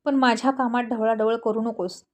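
A woman's voice: a little high, little pitch movement, normal speed, warm tone, close to an everyday voice. A woman voicing a curt, stern male police officer in a spoken story, with terse, clipped lines.

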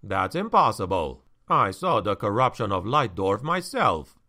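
A man reading a story aloud, voicing a stern male counselor who speaks in a low, steady, measured way. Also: heavily acted.

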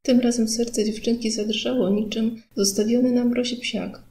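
Gravelly-voiced woman narrating an audiobook. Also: on the high side, steady tone, moderate pace, dark tone, low-quality recording. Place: recording studio.

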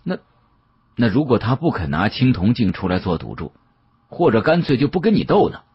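A man's voice: medium pitch, very animated, brisk, slightly rough, voice pushed up. A man voicing a principled, cautious young male antiques expert in an audiobook, speaking earnestly and admonishingly. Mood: wary. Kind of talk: audiobook character dialogue. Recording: muffled, dull lo-fi audio.

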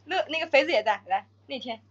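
A woman's voice: sits high, lively intonation, fast talker. A young woman hosting a casual idol livestream, giggling and acting out scenes as she tells stories and thanks viewers for their votes. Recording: dull lo-fi livestream audio.

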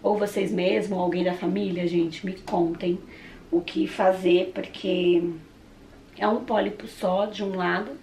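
Hoarse Brazilian woman chatting to camera. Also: mid-range voice, fairly even intonation, measured pace, darkish tone, slight background noise. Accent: Brazilian Portuguese. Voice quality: husky. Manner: chatty, keeps addressing viewers. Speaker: vlogger. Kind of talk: casual chat to camera. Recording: roomy, distant camera mic.

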